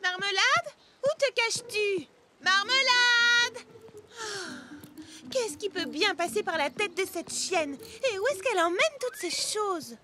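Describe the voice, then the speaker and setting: A woman's voice: very high-pitched, slow pace. A woman voicing an exasperated but affectionate young girl in a dubbed children's cartoon, coaxing and scolding expressively. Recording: music behind the voice.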